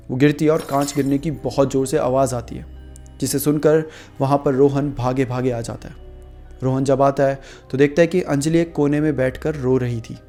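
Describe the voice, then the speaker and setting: A man's voice: mid-range voice, warm tone. A young man narrating a horror story casually, with conversational asides to the listener. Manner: conversational, asides to the listener, mixing English words.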